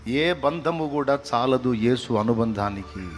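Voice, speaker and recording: A man preaching a fervent, scolding sermon, breaking into slow hymn singing. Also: mid-range voice, lively intonation, music in the background. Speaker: pastor.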